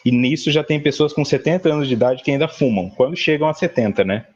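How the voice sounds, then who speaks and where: A man's voice: fairly high pitch, fast, a little mellow, dull audio. A male psychologist leading a spiritual study class, explaining a text in a conversational way and often checking in with his listeners. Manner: conversational, frequent "tá?" tag questions; explains a read text with everyday examples.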